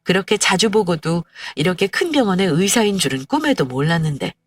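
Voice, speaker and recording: A woman narrating a heartfelt first-person story in a plaintive, steady way. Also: on the low side, a little fast, slightly rough. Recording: dry, far from mic, faint music.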